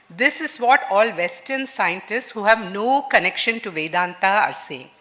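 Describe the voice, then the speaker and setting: A woman with a Telugu accent, fairly high pitch, lively intonation, big swings in loudness and a moderate pace, amid noticeable background noise. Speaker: engineer and quantum physicist speaking on Vedanta. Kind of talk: conference talk.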